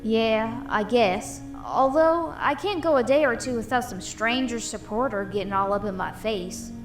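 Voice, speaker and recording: A woman's voice: fairly high pitch, moderate pace, music in the background, natural voice. A woman playing a tough but bashful female boxer, a cartoon animal in an audio drama, talking colloquially. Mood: regretful, resolute.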